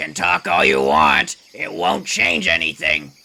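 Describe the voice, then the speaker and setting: In a put-on character voice, a man speaks raspily at a fairly slow pace. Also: very deep, low pitch for a man. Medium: audio drama. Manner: stern, measured.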